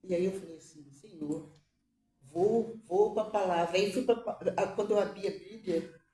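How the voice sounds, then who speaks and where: Mother, emotional faith testimony, halting and tearful, mellow voice, echoey room, far from the mic. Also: mid-range voice. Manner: halting, repeats words, tearful at times.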